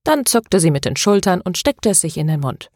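A woman narrates a novel in a calm, even reading voice. Her tone sits on the low side. The recording is dry and close to the microphone. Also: moderate pace, dry recording. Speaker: audiobook narrator. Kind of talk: scripted narration.

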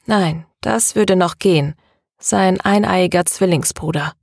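This is a tense young woman confiding her troubles to a friend, voiced by a woman reading a storybook. She talks earnestly and hesitantly, in a low, breathy voice. The sound is close and dry. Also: unhurried, a little mellow, no room sound.

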